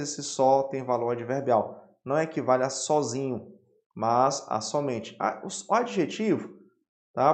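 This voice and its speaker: Male Brazilian teacher at a whiteboard, mid-pitched, explains and checks in with his students, roomy echo. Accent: Brazilian Portuguese. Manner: lively explaining, frequent "tá?" and "né?" checks. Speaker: Portuguese teacher. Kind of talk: exam-prep lesson, solving questions.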